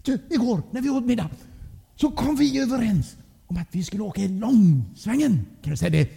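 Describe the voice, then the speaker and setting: A man voicing a worried, scolding mother in a told story, speaking shrilly and fast. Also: on the high side, sing-song, gravelly, mellow. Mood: exasperated. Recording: long hall reverb.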